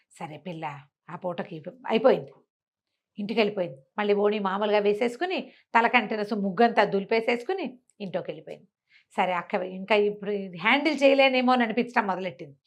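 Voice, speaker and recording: An older woman telling a village folk tale, slipping into the characters' voices as she goes. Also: fast. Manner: acts out characters' lines with lively pitch swings. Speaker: storyteller. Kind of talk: animated folk-tale narration.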